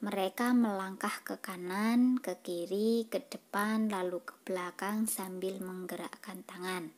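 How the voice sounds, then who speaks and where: Woman teacher, unhurried and hushed, patient with children, mid-pitched. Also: steady tone. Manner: slow, patient, addresses children directly. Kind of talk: reading a schoolbook lesson aloud and singing.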